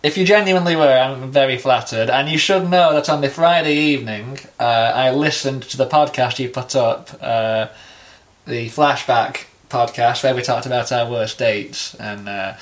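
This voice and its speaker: A young man tells a long travel anecdote on a casual podcast. His pitch sits in a mid range, and his manner is relaxed and easily amused. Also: moderate pace. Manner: chatty storyteller, relaxed and self-amused. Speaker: podcast co-host.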